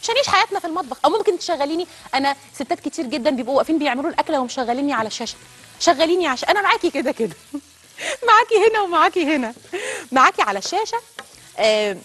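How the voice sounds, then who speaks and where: Her high voice has a fairly bright tone as this Egyptian-accented woman hosts a live TV cooking demonstration. Chatty and speaking right to the viewers, she cooks in a studio kitchen.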